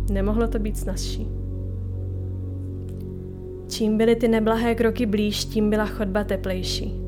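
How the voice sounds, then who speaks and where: A woman narrates a fantasy audiobook at a middle pitch, shaping each character with her voice. Music plays clearly under the reading.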